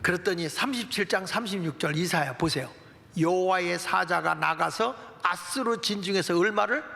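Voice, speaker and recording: A middle-aged male pastor preaching a sermon, telling Bible stories in an animated way and acting out prayers and taunts. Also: high-pitched, moderate pace, gravelly, big-room sound.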